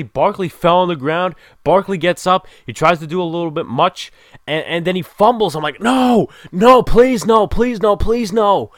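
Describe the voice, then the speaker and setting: A man casually recapping a football game, an excitable fan who swears and laughs, moving between calm play-by-play and loud outbursts. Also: mid-range voice, no room sound, studio quality. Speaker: sports podcast host.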